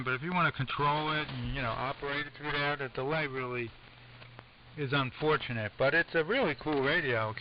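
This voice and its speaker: American man, middle-aged or older, rambling casual ham radio chat, halting delivery, muffled AM sound, loud static. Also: mid-range voice. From United States. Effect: AM shortwave radio transmission. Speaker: amateur radio operator. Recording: noisy, band-limited AM shortwave radio. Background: steady radio noise.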